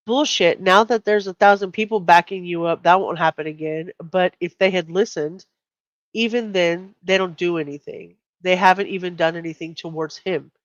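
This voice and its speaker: A woman's voice: lowish voice, fairly even intonation, normal speed, dry recording, lo-fi sound. A middle-aged woman, hosting a casual true crime live stream, reading out and commenting in a conversational, blunt way.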